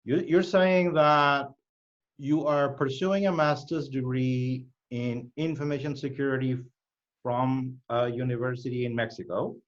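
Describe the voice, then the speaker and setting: Man giving direct advice on a call. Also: muffled recording. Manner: direct, emphatic advice, with quick lively pitch lifts. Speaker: host and cybersecurity educator. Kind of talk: live online Q&A chat. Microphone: video call.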